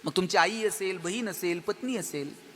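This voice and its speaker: A man giving an animated motivational stage speech, telling humorous stories and speaking straight to the audience. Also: sits high, moderate pace. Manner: animated, addresses the audience directly. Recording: long hall reverb with faint music.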